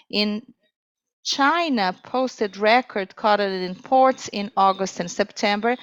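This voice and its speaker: Woman, mid-range pitch, conference interpreter, formal corporate delivery, measured, dry close-mic sound. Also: no echo, poor audio.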